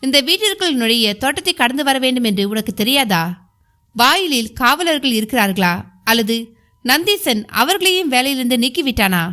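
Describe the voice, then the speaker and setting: A stern, suspicious old-world music master, as a woman narrator voices him, firing off sharp demanding questions. The voice rides high and lively, swooping through wide pitch. It sounds bright and forward, like a storybook reading. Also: moderate pace, heavily acted. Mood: coaxing.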